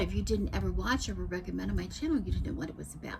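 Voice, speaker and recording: The room echo here is audible. The speaker is a woman. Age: 70s. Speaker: pagan vlogger. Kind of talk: casual vlog talk. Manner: halting, repetitive; long-winded storytelling.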